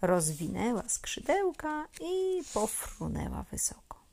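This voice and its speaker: A woman reading a children's story aloud in a gentle, expressive way, often dropping to a near whisper. Her pitch rises and falls widely, she takes her time, and her voice has a gravelly edge. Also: takes it slowly, slight background noise.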